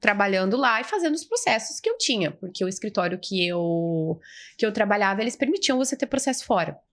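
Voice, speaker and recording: Fairly quick speech from a woman, with a quiet background behind her. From Brazil, Mato Grosso interior. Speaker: lawyer. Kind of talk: podcast interview. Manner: conversational, with frequent repetitions.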